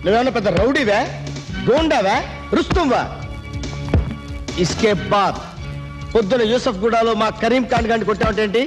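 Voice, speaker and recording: A swaggering comic bully, taunting his victim with a strikingly high, nasal-edged voice. He peppers his threats with Hindi slang. A film score plays clearly beneath the dialogue. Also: brisk, long pauses. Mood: mocking. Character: fake loudmouth street rowdy, comic male bully. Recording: film soundtrack with music behind.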